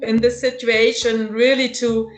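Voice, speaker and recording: A woman with a German accent, a holistic practitioner giving thoughtful, halting examples in a spiritual conversation. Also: on the high side, little pitch movement, soft background music, low-quality recording. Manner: thoughtful, halting, many restarts.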